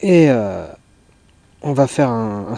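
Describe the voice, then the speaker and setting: Lively intonation runs through a dark, mellow tone. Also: man. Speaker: nature video presenter. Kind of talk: on-location wildlife commentary. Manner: soft-spoken.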